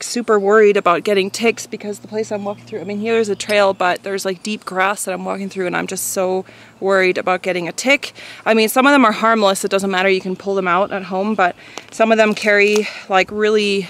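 A woman's voice: medium pitch, fairly bright tone. A young woman, out of breath, chatting candidly to the camera while hiking a mountain trail, on a lapel mic outdoors. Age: young adult. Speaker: vlogger. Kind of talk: casual hiking vlog.

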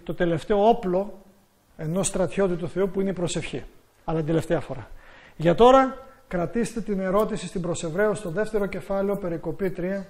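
A man preaches a sermon. His voice sits high for a man. He talks with great emphasis, often climbing to loud, fervent exclamations.

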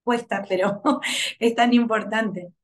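A woman's voice: fairly high pitch, steady tone, takes it slowly. Hesitant woman on a video call. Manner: soft, hesitant, many fillers and restarts. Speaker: workshop participant, mother. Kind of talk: reflective testimonial over video call. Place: home living room. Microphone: video call, laptop mic.

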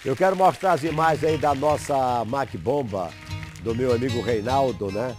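A man's voice: mid-range voice, moderate pace, over music. A man in his fifties hosting a local TV show in a studio, folksy and chatty, on a lapel mic. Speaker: TV show host. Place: TV studio set.

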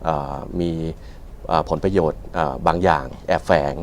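Male studio guest, very low pitch, hesitant delivery, noticeable background noise. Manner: hesitant, very frequent filled pauses. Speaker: panel guest. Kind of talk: explanatory panel talk. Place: television studio.

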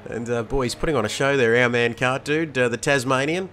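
A man commentating a sim racing stream, excitable and chatty, his voice going hoarse after the flu. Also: medium pitch, a little fast, slight background noise. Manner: excitable, chatty, many fillers. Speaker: race commentator.

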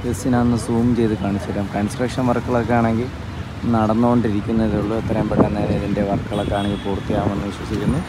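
A man's voice: fairly low pitch, flat delivery, rapid-fire. A man walking through an empty building while filming, talking with eager enthusiasm and repeating stock words of praise. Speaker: vlogger. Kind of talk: walking tour vlog. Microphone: phone camera held while walking. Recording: phone recording with clear street noise.

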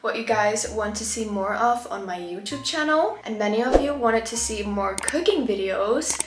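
A woman's voice: a little high, lively intonation, normal speed, echoey room, a little hiss or hum. A woman in her twenties from Iceland, chatting enthusiastically while cooking in a small home kitchen, with lots of "like" and "honestly". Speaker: lifestyle vlogger. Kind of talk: casual cooking vlog chat.

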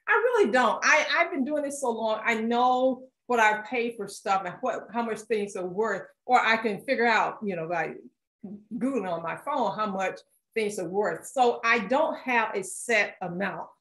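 A woman's voice: a little high, animated, normal speed, a bit bright, roomy sound, poor audio. A woman art collector from Philadelphia, talking casually as a guest at an author talk, with many fillers and restarts. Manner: chatty, many fillers and restarts, laughs often.

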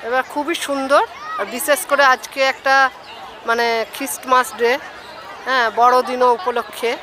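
A middle-aged woman with a Bengali accent, answering a street interviewer plainly and haltingly. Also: high-pitched, steady tone. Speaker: interviewee, visitor. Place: crowded churchyard outdoors. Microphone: reporter's handheld mic. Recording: noisy outdoor crowd.

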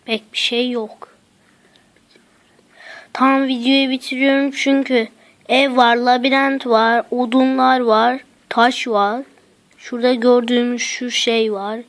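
Her pitch is fairly high, her tone level, and her pace slow. The speaker is a gaming channel host giving let's play commentary on a map she's exploring, with exclamations, mumbled asides, and plenty of slang.

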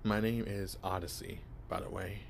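A man's voice: deep voice, level tone, normal speed, gravelly, a little hiss or hum. A young man voicing a shy, clueless male vampire in an ASMR roleplay, stammering nervously as he pretends to be human. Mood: flustered, awkward. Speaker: voice actor.

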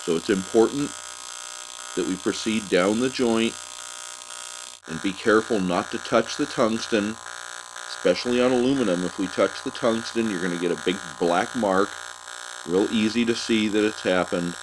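Male welding instructor, voice-over. Lowish pitch, calm and methodical, faint hum underneath. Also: normal speed.

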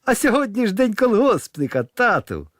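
A man's voice: high-pitched, sing-song, moderate pace, a bit bright, dry recording, studio quality, pitched above the performer's own voice, exaggerated voice. A man voicing a young schoolboy with a ringing child's voice. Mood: whiny. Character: young schoolboy, shrill and tearful.

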